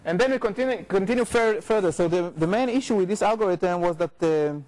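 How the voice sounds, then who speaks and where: High-pitched Israeli man giving a lecture. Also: lively intonation, darkish tone. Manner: informal, halting, frequent repetitions and self-corrections. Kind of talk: academic talk with slides. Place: lecture room, indoors.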